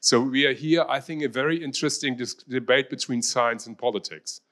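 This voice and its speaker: A middle-aged man from Germany gives a slide talk in a German-accented voice of ordinary pitch. He speaks with a hesitant, halting flow, often pausing on "um" and restarting his phrases. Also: steady tone, fairly bright tone. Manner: hesitant, many ums and restarts. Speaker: university researcher.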